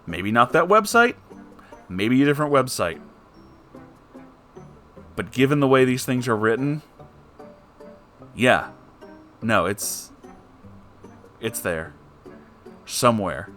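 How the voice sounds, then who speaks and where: A man's voice: fairly low pitch, fairly bright tone. A man hosting a bad-story reading show, talking casually to viewers in a theatrical, wry, self-deprecating way with some swearing. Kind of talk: casual rambling talk to viewers. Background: plucked guitar music.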